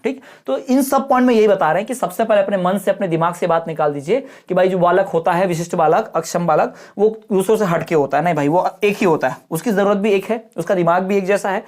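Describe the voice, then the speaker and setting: A male teacher giving an exam-prep lecture. He explains textbook points in plain talk, tags his lines with quick check-ins, and slows down to stress key terms. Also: high-pitched.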